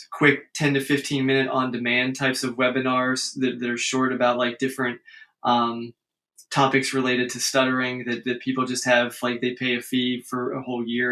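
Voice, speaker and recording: A man with a bright, clear-edged voice at an average pitch explains clinical ideas earnestly in casual podcast talk. He often repeats and restarts words as he thinks aloud. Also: monotone, moderate pace, poor audio. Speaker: guest speech-language pathologist. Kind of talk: conversational podcast interview.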